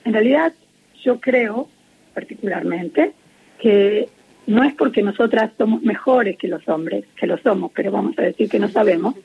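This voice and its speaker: A middle-aged woman from Argentina with an Argentine Spanish accent, speaking as an interviewee in a phone interview, earnest and measured with many hesitations. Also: mid-range voice, gravelly, husky. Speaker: interviewee, peace activist. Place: at home in Israel. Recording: muffled lo-fi phone line.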